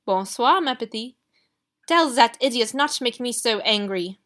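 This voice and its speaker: A woman voicing an excitable, loud seamstress with a French accent. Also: fairly high pitch, normal speed.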